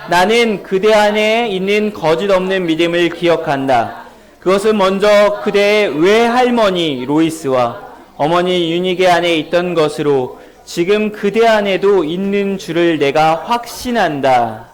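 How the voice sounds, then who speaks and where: A man's voice: high voice, a little slow. A man, a children's pastor, giving a sermon at a children's church service. He tells stories and keeps asking the kids questions. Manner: animated storytelling that asks children questions.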